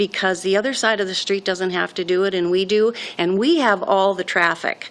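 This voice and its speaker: Noticeable background noise sits behind the voice. The intonation stays fairly even. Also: woman. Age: 70s. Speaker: resident speaking at council. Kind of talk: public comment at council meeting. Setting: city council work session.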